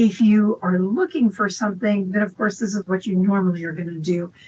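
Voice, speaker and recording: A woman with an American accent speaks in a somewhat breathy voice over light background noise. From US South, Georgia. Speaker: accountant, tax software trainer; software trainer. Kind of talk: software tutorial webinar; tutorial. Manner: conversational, with fillers.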